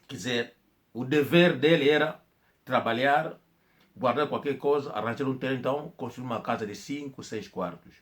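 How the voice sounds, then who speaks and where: Homem angolano em comentário enfático. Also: male voice, mid-range voice, normal speed. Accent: Angolan Portuguese. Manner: emphatic, repetitive, with coughs and restarts. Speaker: channel host. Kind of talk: spoken commentary monologue.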